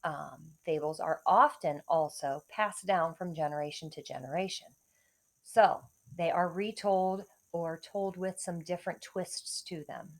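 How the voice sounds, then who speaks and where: A woman reading a story aloud to young children like a teacher, in an expressive storytelling manner. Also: on the low side, measured pace. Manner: expressive, clearly addressing children. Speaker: elementary school teacher reading to pupils.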